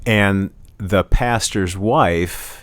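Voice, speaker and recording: A man's voice: sits low, drawn-out words, fairly bright tone, no room sound, clean studio sound. A man guest in a casual interview, telling stories about his life as a musician, rambling with many restarts and "you know"s.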